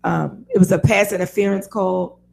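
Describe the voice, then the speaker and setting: A woman with a raspy voice hosting a casual sports talk radio show, chatty and opinionated, laughing often. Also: medium pitch, steady tone, moderate pace, a little mellow.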